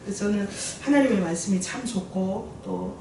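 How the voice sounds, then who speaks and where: A woman's voice: mid-range voice, moderate pace, gravelly, slight background noise. Woman preaching in an echoey church. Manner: lively storytelling, mixes personal anecdotes and jokes with the congregation. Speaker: missionary preacher. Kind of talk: sermon. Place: church sanctuary. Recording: very echoey church hall, distant mic.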